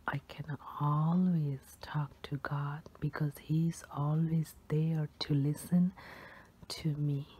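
In a breathy, low-pitched whisper, a woman gently delivers a calming pep talk made of first-person affirmations, much like an ASMR meditation. The audio quality is poor.

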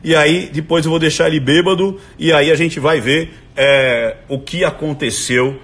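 A Brazilian man giving excited live commentary as a body language analyst, breaking into sudden shouts. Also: fairly high pitch, normal speed. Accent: Brazilian Portuguese.

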